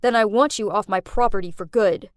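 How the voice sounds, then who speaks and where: A woman doing a gruff young boyfriend. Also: medium pitch, brisk, no echo, clean studio sound, lightly acted. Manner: hesitant then gruff. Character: young man, hard-up boyfriend turning cold.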